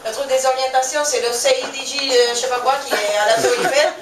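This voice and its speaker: A woman's voice: high voice, fast talker, crowd noise. A woman from Venezuela with a Venezuelan Spanish accent, a native Spanish speaker in her twenties, doing a chatty, self-mocking stand-up show and laughing at her own jokes. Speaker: stand-up comedian. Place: stage in a small venue with a live audience. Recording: echoey room from far off, noisy.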